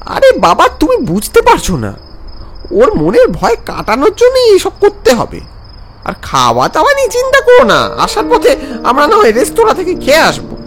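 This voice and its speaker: A narrator voicing a hearty, bossy old gentleman in an animated horror story. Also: high voice, moderate pace, background noise, voice pushed up. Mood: bossy, eager. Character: jovial, impulsive old widowed gentleman.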